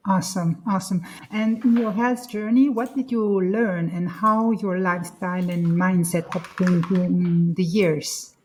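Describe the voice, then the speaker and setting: A woman's voice: lowish voice, fairly even intonation, measured pace, hardly any pauses, darkish tone, a little hiss or hum, low-quality recording. A woman hosting a podcast who interviews guests with short questions and frequent mm-hmms. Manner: brief, with back-channel "mm-hmm". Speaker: podcast host.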